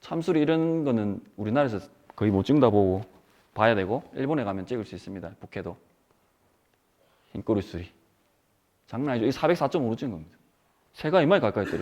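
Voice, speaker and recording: The tone is animated, with very wide pitch swings and big swings in loudness. Delivery is very fast, broken by long, frequent pauses. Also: man, medium pitch for a man. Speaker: wildlife photographer and camera lecturer. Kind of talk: lecture. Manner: animated, conversational.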